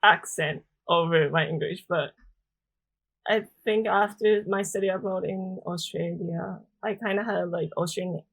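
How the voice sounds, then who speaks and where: A woman's voice: fairly low pitch, steady tone, measured pace, creaky, breathy edge. Japanese-accented young woman, chatty. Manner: chatty, frequent "like" fillers, soft laughs. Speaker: guest. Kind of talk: casual podcast interview.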